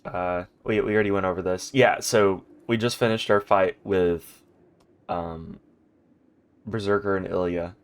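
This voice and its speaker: A man's voice: low voice, steady tone, measured pace, clear, resonant tone. A man hosting a game playthrough in a rambling, chatty way, his voice congested from a stuffy nose, recorded at home. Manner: rambling, chatty, many ums and restarts. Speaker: let's play host. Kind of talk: casual gaming commentary. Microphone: home recording mic.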